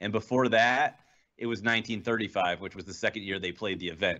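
A man talks with an American accent at a medium pitch. It is a normal speaking voice. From Cleveland, Ohio. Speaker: sports bettor. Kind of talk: casual interview.

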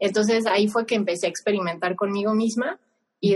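Here a woman is speaking. She has a Mexican accent. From Mexico. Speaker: psychologist. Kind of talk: interview.

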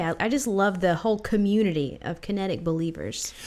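Her voice is at a medium pitch, and this woman talks at a fairly quick pace in an animated tone. Noticeable background noise runs underneath. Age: 30s. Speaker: podcast co-host. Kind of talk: casual chat.

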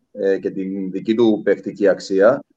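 The man's voice has a dark, mellow tone. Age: 30s. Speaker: basketball player. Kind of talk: casual chat.

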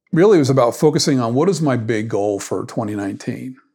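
A plain, everyday voice from a man with an American accent, medium in pitch and fairly quick in pace, on a very clean recording with a silent background. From US South, South Florida. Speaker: business consultant and former accountant. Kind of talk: interview conversation. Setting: studio.

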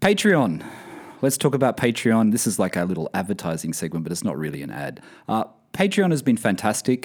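In an Australian accent, a man talks at a fairly quick pace and medium pitch, with vocal fry. His pitch swings very widely. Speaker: podcast host. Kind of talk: casual chat. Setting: video call.

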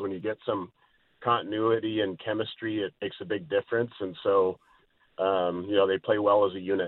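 A man talks at a fairly quick pace in an ordinary speaking voice. His pitch is fairly low. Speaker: football head coach. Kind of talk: radio interview. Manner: calm, measured.

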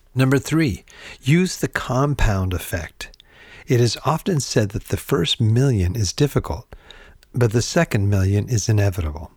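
Somewhat breathy, this man's voice moves through very wide pitch swings. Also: medium pitch for a man, moderate pace. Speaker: real estate investing podcast host. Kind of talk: solo podcast tips episode. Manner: casual with many fillers.

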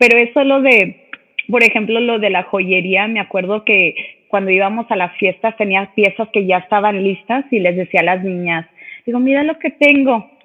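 With a normal speaking voice pitched fairly high and showing ordinary variation, the woman speaks at a moderate pace. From San Francisco Bay Area, born in Jalisco, Mexico. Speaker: business consultant. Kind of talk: interview.

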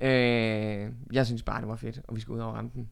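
A man speaks in a monotone, flat intonation with audible room echo. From Denmark, Funen. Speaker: company co-founder. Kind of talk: interview.

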